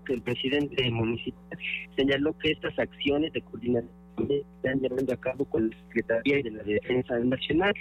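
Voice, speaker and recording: A man with a Mexican accent delivering a news report. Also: mid-range voice. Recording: dull, band-limited broadcast audio.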